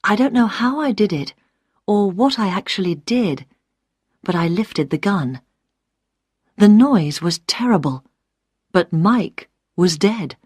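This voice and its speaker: Slow, careful woman narrator. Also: mid-range voice, lively intonation, a little mellow, no echo, studio quality. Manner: clear, careful, deliberate reading. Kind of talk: slow storybook narration for English learners.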